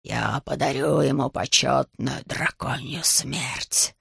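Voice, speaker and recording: A storybook reader voicing a huge menacing male night dragon, speaking in a slow, threatening, half-whispered growl. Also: vocal fry, a bit bright, slightly rough, no echo, studio quality, full character voice. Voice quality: low rumbling growl.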